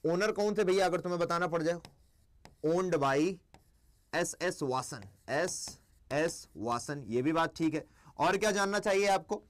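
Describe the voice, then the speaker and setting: On a live stream, a young man with a slightly high voice teaches an English exam lesson. He's chatty, quizzes himself out loud, blends Hindi with English, and slows down to dictate key points.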